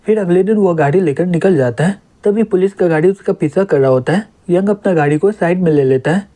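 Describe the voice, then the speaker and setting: A man retelling a manga story in a plain, even storytelling manner, voicing every character himself. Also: high-pitched, a little fast. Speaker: comic recap narrator.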